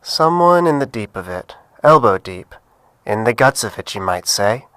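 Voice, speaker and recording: A man playing a controlled, sinister, condescending kidnapper in an audio drama, speaking deliberately, coaxing and threatening. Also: lowish voice, big pitch swings, pushed and bright, no room sound. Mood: sinister teasing.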